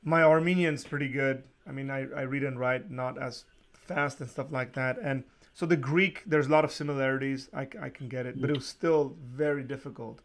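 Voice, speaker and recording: A man hosts a casual interview with an easygoing, rambling delivery. He restarts sentences often and chuckles between thoughts. His voice sits at an ordinary middle pitch. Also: brisk. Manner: relaxed, rambling with restarts and laughs. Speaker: podcast host.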